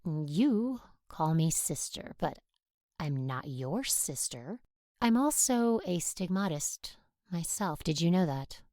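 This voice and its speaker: A woman playing a stern, controlling Catholic nun who teaches, speaking in a measured, formal way in an audio drama. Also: deep voice, expressive, warm tone, no echo, clean studio sound. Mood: probing, earnest.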